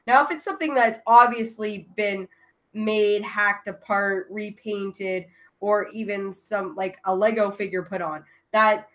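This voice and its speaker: A woman's voice: mid-range voice, fairly bright tone. Chatty woman co-hosting. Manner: chatty, lots of "like". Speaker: podcast co-host. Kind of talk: casual chat.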